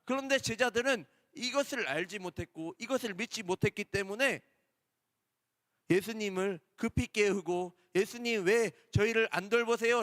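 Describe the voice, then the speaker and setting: A man with a fairly high voice gives a children's Sunday sermon in a church. He speaks gently, asks questions and repeats his key points for the young listeners. The sound is close at the source but trails a long hall reverb. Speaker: children's department preacher.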